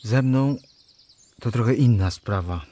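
An actor playing a tired, resigned but gently kind man in a radio play, speaking in short, laconic phrases. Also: medium pitch, unhurried, close to an everyday voice. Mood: weary. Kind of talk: Polish radio play dialogue.

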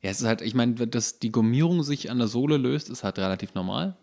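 A man's voice: medium pitch, animated, fast talker, gravelly, a little mellow. A man co-hosting a podcast, chatting casually with dry, wry humour. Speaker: podcast co-host. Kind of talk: casual comedic chat.

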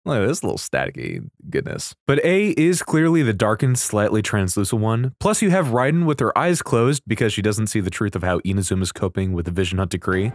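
A young man giving casual, excitable reaction commentary on game videos, slangy and sweary. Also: lowish voice, fairly quick, hardly any pauses, dry recording, studio quality. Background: faint music.

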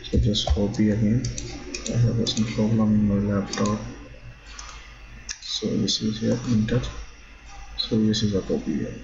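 A man with a fairly low voice gives a screen-recorded software tutorial in halting. He stops often on "okay" as he walks through each step. The sound is dull and lo-fi, from a basic computer mic. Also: steady tone, creaky, music in the background. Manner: halting, repeats "okay" often, non-native phrasing. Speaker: drafting instructor.

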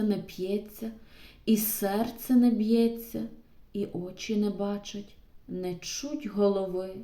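A woman reading a classic poem aloud with slow, measured narration. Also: mid-range voice, warm tone, roomy sound. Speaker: reader. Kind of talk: literary audiobook reading.

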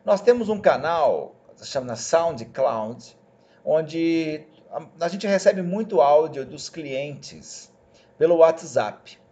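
A man talks to his viewers in a loose, animated way, selling the idea with a chatty push. His voice is mellow and dark. The recording is dull and lo-fi. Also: a little high, slow. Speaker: job placement agency host. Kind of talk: casual screen-recorded talk to viewers.

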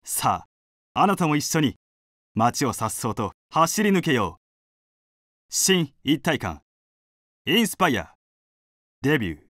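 A male voice actor playing a cool, confident motorbike advert narrator with a measured, dramatic delivery. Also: medium pitch, sing-song, fairly bright tone, no room sound, clean studio sound. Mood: cool, assured. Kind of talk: scripted commercial narration.

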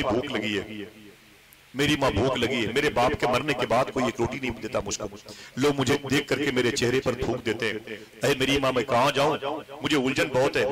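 A man preaching a religious sermon to a live gathering, telling stories dramatically and rising to impassioned high cries as he calls on listeners to respond. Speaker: Islamic preacher.

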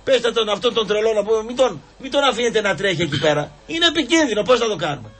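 A middle-aged man with a high-pitched voice hosts a sports radio show. He rambles and teases, stacking fillers and mocking asides in casual chat. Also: husky. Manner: rambling, teasing, mocking and animated, with lots of fillers.

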